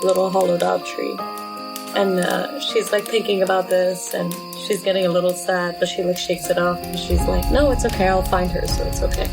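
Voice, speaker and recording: A woman tells an improvised tabletop story with clear music underneath. She is casual and giggly, rambling along and padding her phrases with "like". Her pitch sits in the middle for a woman. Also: poor audio. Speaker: tabletop role-playing player. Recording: music playing behind the voice.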